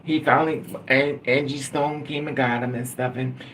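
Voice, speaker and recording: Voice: medium pitch, fairly even intonation, moderate pace, fairly bright tone, a little hiss or hum. A middle-aged livestream host chatting casually and candidly with viewers, laughing often and calling on them by name.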